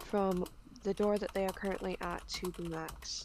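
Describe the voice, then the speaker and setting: The intonation stays fairly even, and noticeable background noise can be heard. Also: woman. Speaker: tabletop game player. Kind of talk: tabletop role-play game session.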